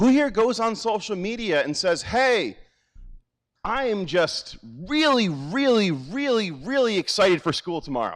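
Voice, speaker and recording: A man speaks loudly in an animated tone, with a high pitch and very wide pitch swings at a fairly slow pace. The recording is very clean, with a silent background. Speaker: teacher. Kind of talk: school assembly speech.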